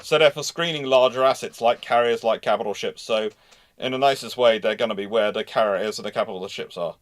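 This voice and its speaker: A man's voice: lowish voice, brisk. A man hosting a live history question session, talking discursively and repeating phrases as he searches for words. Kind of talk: live question-and-answer, thinking aloud.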